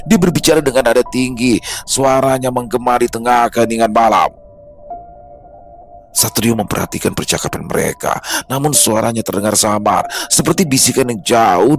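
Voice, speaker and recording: Low-voiced man narrating a horror tale. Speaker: storyteller.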